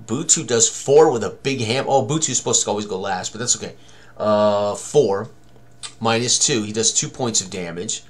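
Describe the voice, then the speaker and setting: A man's voice: lowish voice, normal speed. Older man narrating tabletop game dice rolls. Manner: short running commentary on rolls and tallies. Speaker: game master, tutorial presenter. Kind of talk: solo tabletop game walkthrough, thinking aloud. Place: small room indoors, at a computer.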